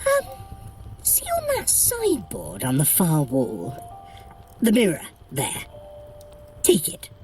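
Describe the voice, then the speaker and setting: A woman's voice: on the low side, huge pitch swings, slow pace, long pauses, exaggerated voice. A woman playing a sly, haughty trickster deity in an audio adventure workout, with an arch, droll, condescending delivery. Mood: wry, commanding. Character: sly, haughty trickster deity guiding a mortal through a heist. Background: music.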